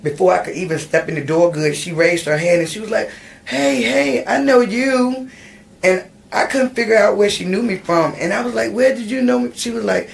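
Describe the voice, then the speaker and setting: A woman's voice: medium pitch, normal speed, creaky. A middle-aged woman, a podcast guest recounting her life with many ums and restarts. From Virginia, USA. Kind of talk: personal storytelling in an interview. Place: podcast studio.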